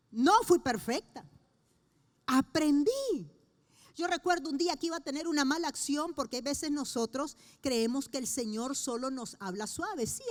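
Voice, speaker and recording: Middle-aged lady pastor preaching, high voice, earnest, slows way down for emphasis. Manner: earnest, with slow emphatic pauses. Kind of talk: sermon.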